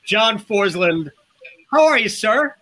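A man hosting a casual sports show, chatting with guests in a halting, hesitant way. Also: sits high, expressive, sharp tone, low-quality recording.

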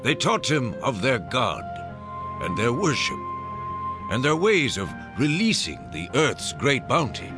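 An actor playing a solemn storyteller, narrating a Native American legend for a radio drama in measured phrases. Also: male voice, mid-range voice, wildly swooping pitch. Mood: solemn, reflective. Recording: music behind the voice.

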